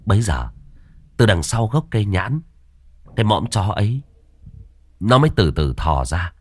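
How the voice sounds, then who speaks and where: A man narrating a horror story in an expressive, suspenseful way. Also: fairly low pitch, unhurried.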